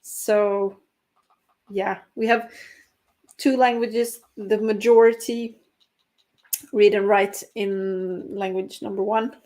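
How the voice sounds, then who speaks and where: A woman's voice: medium pitch, flat delivery, slow, long pauses, dark tone. A young adult woman from Norway, a native Norwegian speaker, chatting casually with viewers on a writing livestream, with frequent laughs and fillers. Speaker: writing stream host.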